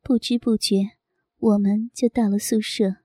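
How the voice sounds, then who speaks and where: A woman reading a first-person story aloud in a soft, intimate, unhurried way. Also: medium pitch, level tone, no echo, studio quality.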